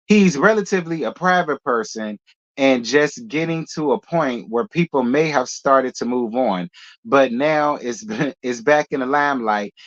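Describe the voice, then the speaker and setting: A man chats through celebrity gossip with sass and laughing asides, at a middle pitch. His voice is slightly dull and lo-fi. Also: fairly bright tone. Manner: sassy, chatty, laughing asides. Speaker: host. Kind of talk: casual gossip commentary.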